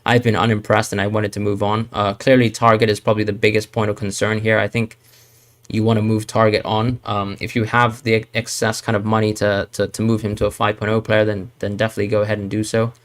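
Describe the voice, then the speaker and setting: Speaking quickly in a lowish, flat voice, this Hong Kong fantasy football streamer answers chat questions live. He hedges and thinks out loud, with frequent fillers and restarts.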